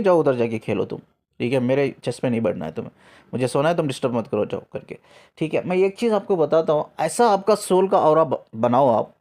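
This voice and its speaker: A man working as a spiritual coach, telling a story in a lively way. He mixes English words into his talk and repeats himself to stress a point. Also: medium pitch.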